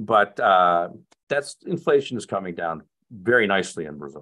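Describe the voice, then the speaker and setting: A man's vocal fry at a moderate pace over a quiet background. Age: 60s. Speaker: economist; panelist. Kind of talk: panel Q&A; webinar presentation. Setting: video call. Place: home room. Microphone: video call.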